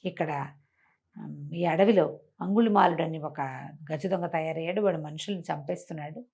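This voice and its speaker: A woman storyteller voicing a troubled, respectful king who reports in a hushed, deferential way. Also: sits low, moderate pace, husky, highs cut off, pitched below the performer's own voice. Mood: subdued, worried.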